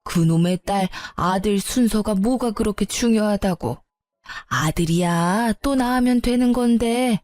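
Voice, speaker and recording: A woman voicing an older mother-in-law who coos at her granddaughter and apologizes remorsefully, with a slow, drawn-out manner. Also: medium pitch, darkish tone, no echo, soft background music, lightly acted. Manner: coaxing, drawn-out baby talk.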